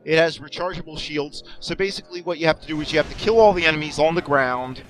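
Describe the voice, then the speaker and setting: A man's voice: a little high, fast, fairly bright tone, soft background music. A man giving casual, rambling commentary over a video game, self-deprecating and sarcastic, often restarting his sentences. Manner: sarcastic jokes. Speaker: let's play commentator.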